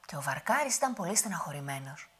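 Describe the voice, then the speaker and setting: A woman's voice: sits low, sing-song, a bit bright, slightly rough. A woman telling a folk tale aloud in a dramatic storytelling style, sometimes dropping to a whisper. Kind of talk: oral storytelling performance.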